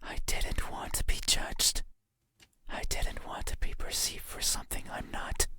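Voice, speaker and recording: A performer voicing a menacing, pleading demon in a horror game, whispering slowly, intimately and insistently in an ASMR style. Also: sharp tone. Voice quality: breathy unvoiced whisper. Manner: slow, deliberate, intimate, insistent.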